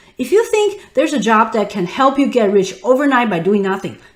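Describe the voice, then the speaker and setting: A woman speaks in a high pitch with a Taiwanese accent. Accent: Taiwanese Mandarin accent in English. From Taiwan, then Los Angeles from age 14. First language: Mandarin. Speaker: online business course instructor. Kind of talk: online course lecture.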